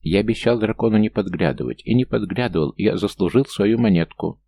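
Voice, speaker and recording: A man reading an audiobook voices a tiny male gnome trickster who is petty, squeaky and whines indignantly. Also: lively intonation, a little fast, gravelly, dark tone, breathy edge, full character voice.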